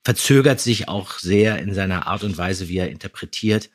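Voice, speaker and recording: A man's voice: sits low, normal speed. A man co-hosting a podcast in casual review chat, giving his opinions emphatically. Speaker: podcast co-host.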